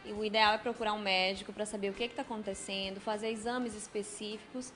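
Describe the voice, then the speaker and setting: A woman with a Brazilian Portuguese accent, a specialist guest giving calm, measured answers on a TV studio talk show. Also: mid-range voice, soft background music. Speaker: speech health specialist guest. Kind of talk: explanatory studio interview answers. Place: television studio.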